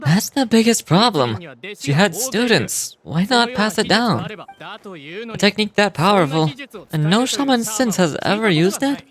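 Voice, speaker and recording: A woman's voice: medium pitch, lively intonation, measured pace, over music, voice pushed down, close to an everyday voice. A woman voicing a scornful, argumentative tribal skeptic from a game. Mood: skeptical. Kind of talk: game dialogue read aloud.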